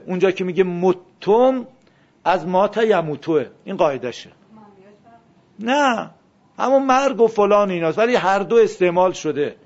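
A male teacher with a high voice leads a grammar class in a classroom, quizzing his students and reciting word forms one after another. The recording is dull and lo-fi. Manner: questioning, drills word forms aloud. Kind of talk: classroom lesson on Arabic grammar.

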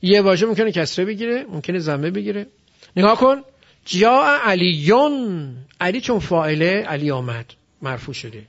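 A man's voice: sits high, expressive, lo-fi sound. A man teaching a class, explaining grammar and drilling examples aloud. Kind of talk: classroom lecture.

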